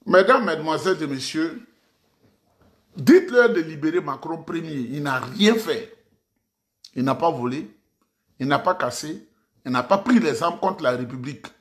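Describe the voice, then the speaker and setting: An Ivorian man speaks in a fairly high voice with an Ivorian French accent. He delivers an emphatic political monologue, addressing his listeners directly and hammering his points home through repetition. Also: animated, moderate pace, long pauses. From Côte d'Ivoire. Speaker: political commentator.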